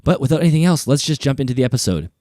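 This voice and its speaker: Mellow-voiced hoarse male podcast host. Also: medium pitch, big pitch swings, racing, no room sound, studio quality. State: slightly hoarse from allergies. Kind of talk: scripted podcast intro and interviewing.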